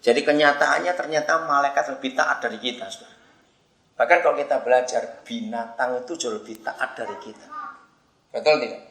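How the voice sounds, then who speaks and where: A man's voice: mid-range voice, fairly quick, echoey room. A man preaching a sermon, telling stories animatedly and pressing the congregation to answer. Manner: animated storytelling, asks the congregation for responses.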